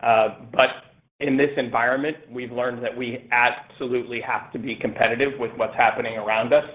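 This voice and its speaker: A man speaking as a company executive answering analysts on an earnings call, in a halting, measured corporate way over a phone line. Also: medium pitch, fairly even intonation.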